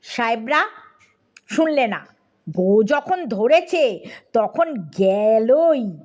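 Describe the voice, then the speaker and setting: A woman narrating a comic audiobook story in a lively, playful way, speaking to the listener. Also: high voice, lo-fi sound.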